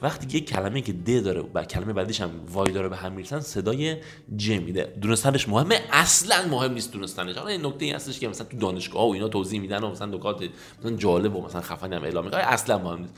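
A man teaching an English lesson in Persian, explaining and slowly repeating English phrases. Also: fairly low pitch, lively intonation, a bit bright. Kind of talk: language lesson.

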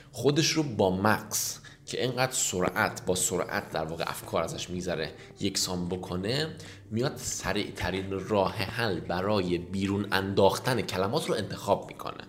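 A man whose first language is Persian, teaching English phrases in a casual lesson, reading example lines slowly and explaining them quickly. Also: low voice, a bit bright. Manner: explains rapidly in casual Persian, addressing viewers as kids.

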